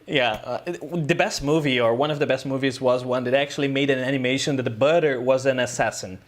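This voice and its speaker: A man's voice: mid-range voice, steady tone, a little fast. A man, a guest filmmaker telling a story in a casual interview, rambling loosely with lots of "uh" and "um". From Brazil.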